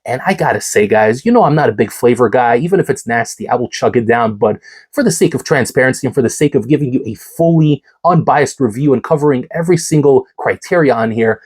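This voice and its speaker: Male supplement reviewer, amped-up pitchman energy, husky and congested from a cold. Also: fast talker. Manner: hyped, energetic salesman-like delivery. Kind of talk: product review vlog.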